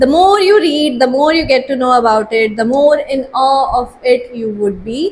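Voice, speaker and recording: Speaking with an Indian accent, a woman uses a high pitch and lively intonation at a moderate pace, with hardly any pauses. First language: Hindi. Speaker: book reviewer. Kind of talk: book recommendation video.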